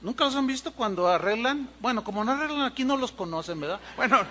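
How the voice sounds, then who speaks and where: A middle-aged pastor delivers an animated sermon full of anecdotes. He mimics noises and other people for humor, his fairly high voice swinging widely in pitch. His tone is bright and forceful. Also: fast, slight background noise. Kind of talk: sermon with storytelling.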